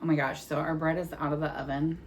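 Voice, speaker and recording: A woman's voice: low-pitched, flat delivery, fast talker, slight background noise. A woman in her forties hosting a cooking vlog, chatting candidly and casually to the camera in a conversational way. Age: 40s.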